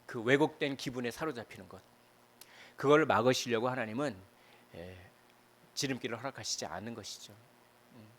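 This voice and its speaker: A male pastor preaching a Sunday sermon in a church, chatty and animated, with many fillers and rhetorical questions. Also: medium pitch, moderate pace, long pauses. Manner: animated, piling up emotional verbs. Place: church sanctuary.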